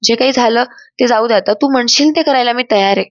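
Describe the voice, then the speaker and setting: A woman's voice: a little high, fast talker, no room sound, lightly acted. A woman voicing a remorseful young husband who pleads and apologizes. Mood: pleading. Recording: dull, dry voice-over.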